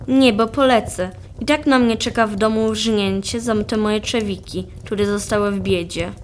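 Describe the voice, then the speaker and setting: A young female performer playing a brash, sharp-tongued girl with a Silesian accent in a radio play. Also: medium pitch, steady tone, moderate pace, a little hiss or hum, natural voice. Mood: teasing. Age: child or teenager. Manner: feisty, blunt, scolding.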